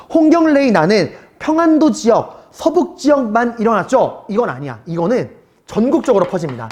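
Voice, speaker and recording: A man's voice: sits high, a little mellow. A man teaching a middle school history class in a recorded online lecture, talking to his students casually and asking them rhetorical questions. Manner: switches between polite and casual speech.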